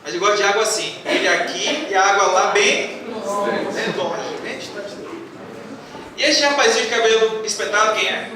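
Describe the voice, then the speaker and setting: A man's voice: high voice, moderate pace, crowd noise. A man giving a religious lecture to a live audience in a large hall, playfully quizzing the listeners. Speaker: spiritist lecturer. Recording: echoey hall from far off, faint noise.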